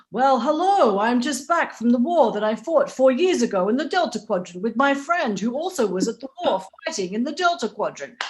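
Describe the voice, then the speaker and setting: A woman speaking informally as a panelist, animated and conversational, illustrating her points with examples. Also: a little high. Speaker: panelist, playwriting teacher.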